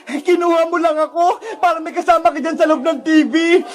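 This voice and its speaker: A woman's voice: extremely high pitch, steady tone, a little fast. A woman voicing a frightened kidnapped young girl who pleads and cries out for help. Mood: scared. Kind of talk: Tagalog cartoon voice acting.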